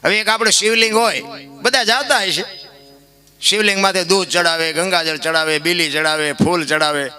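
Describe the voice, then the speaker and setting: A man giving a folk dayro sermon, preachy and story-driven, climbing to loud, impassioned peaks. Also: high-pitched, fairly even intonation, normal speed. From Gujarat, India.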